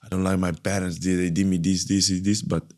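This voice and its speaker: Casting: Italian podcast host, very deep voice, non-native English, pauses to find words. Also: male voice, little pitch movement, darkish tone. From Italy. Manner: halting, searching for English words. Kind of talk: interview questions.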